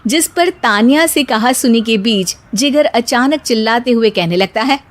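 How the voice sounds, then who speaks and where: A woman giving scripted narration for a cartoon story, steady storytelling. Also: on the high side, normal speed.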